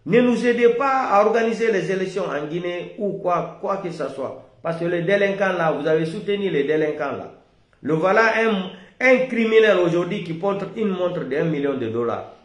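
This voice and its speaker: Fiery man ranting in an echoey room. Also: sits high. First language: a local West African language. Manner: emphatic, repetitive, rising on key phrases. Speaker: political commentator. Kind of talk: impassioned political monologue. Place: small room indoors.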